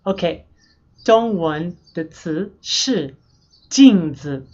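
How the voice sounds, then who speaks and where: A young American woman whose first language is English talks casually to the camera in her own house. Her voice sits somewhat low, and she speaks plainly and without hurry. The home recording sounds dull and lo-fi. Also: lively intonation, darkish tone. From United States. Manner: plain, unhurried tour, naming household words one by one. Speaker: language learning vlogger.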